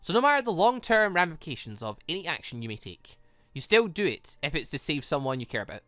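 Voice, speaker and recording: A gaming host voicing a stern male headmaster in a formal, measured, pointed way. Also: mid-range voice, very animated, fairly bright tone, no room sound.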